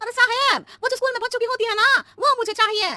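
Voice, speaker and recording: A woman's cartoonish character voice, extremely high-pitched, very fast, and raised and projected. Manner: roundabout, coy.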